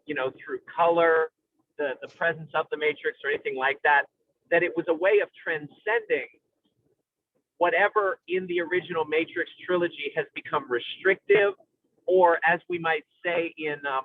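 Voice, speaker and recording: A man in an analytical, conversational film discussion, speaking in an intellectual, halting way with academic vocabulary as he searches for words. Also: on the high side, dry recording. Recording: tinny phone-like radio-style sound.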